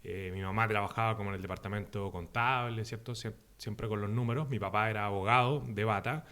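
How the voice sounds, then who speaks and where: A man's voice: lowish voice, steady tone, brisk, fairly bright tone. Man with a Chilean Spanish accent. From Santiago, Chile. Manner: hesitant, many fillers. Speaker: guest on church podcast. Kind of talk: casual chat.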